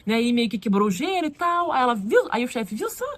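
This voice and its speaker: A Brazilian woman with a Brazilian Portuguese accent telling a story in a casual vlog, animated and acting out what others said. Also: on the high side, a little fast. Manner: animated, acts out quoted voices. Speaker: vlogger.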